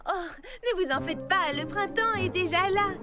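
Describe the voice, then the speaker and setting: High-voiced breezy cartoon fashion girl. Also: animated, measured pace, music in the background. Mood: fretful. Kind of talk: animated children's cartoon dub.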